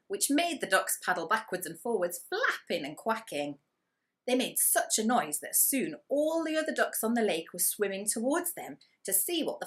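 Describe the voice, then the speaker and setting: A woman reading a children's story aloud with expressive narration and dramatic emphasis on key words. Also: medium pitch.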